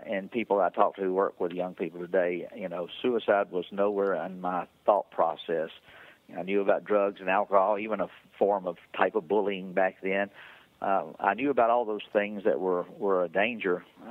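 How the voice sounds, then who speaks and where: Deep-voiced guy on a tinny phone line, lots of uhs and restarts, dry sound. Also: dry recording. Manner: halting, many fillers and restarts. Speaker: interview guest, foundation founder. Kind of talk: phone interview.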